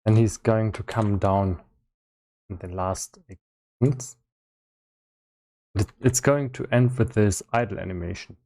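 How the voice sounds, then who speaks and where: A man giving casual live-stream commentary as he works on a game, thinking aloud in a halting way with repeated words. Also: fairly low pitch, warm tone. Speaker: solo game developer streaming.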